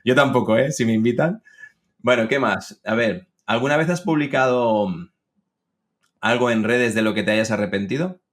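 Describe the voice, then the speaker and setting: A man hosts an interview with a friendly, playful manner, often breaking in with short approving words. His voice sits in an ordinary middle pitch. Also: normal speed, a bit bright. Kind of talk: conversational interview.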